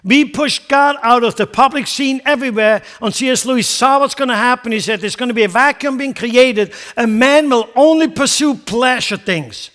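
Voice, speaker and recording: A man's voice: extremely high pitch, moderate pace, hardly any pauses, fairly bright tone. A man preaching a sermon as a pastor, impassioned and repeating words as he builds emphasis.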